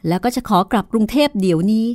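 A woman's voice: medium pitch, quick pace, a little mellow, no room sound, studio quality, faint music behind, lightly acted. A woman voicing a proud, cold older sister who speaks in a cutting, sarcastic way.

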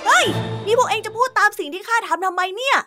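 A grumpy, easily annoyed young cartoon boy, gruff and rustic in his speech. His voice sits very high. Children's music plays behind him. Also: fast, bright, forceful tone.

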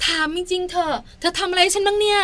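A woman acting out a scolding wife who berates her husband in a sharp, exasperated voice. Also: fairly even intonation, rapid-fire. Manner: shrill, sharp, exasperated complaining.

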